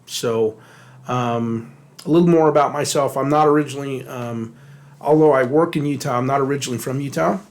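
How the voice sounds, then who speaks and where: A middle-aged man from Texas speaks in a relaxed podcast conversation. He pauses often on fillers and restarts his phrases as he works out what to say, at an ordinary pitch for a man. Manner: halting, many fillers and restarts. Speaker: podcast co-host, addiction therapist. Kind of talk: casual podcast talk.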